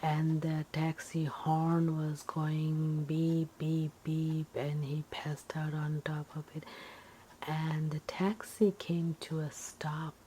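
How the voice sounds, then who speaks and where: Female ASMR storyteller: mellow, breathy half-whisper, unhurried and halting delivery, faint background noise. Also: low-pitched, level tone. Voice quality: soft, breathy, often dropping into whisper. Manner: halting, simple repetitive phrasing. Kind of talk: ASMR ghost storytelling, unscripted.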